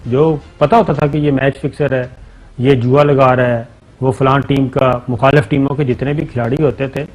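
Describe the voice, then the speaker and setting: A man's voice: medium pitch, fairly even intonation, moderate pace, rough recording. A man with a Pakistani Urdu accent on a TV debate panel, pressing his point with rhetorical questions. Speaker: panel guest.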